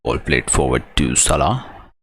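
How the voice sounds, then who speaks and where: This South Asian-accented streamer, whose voice is very deep and husky, covers a live football match in clipped fragments, blending commentary with offhand watch-along chat. His pitch swings widely and his pace is a little slow. The recording is dry.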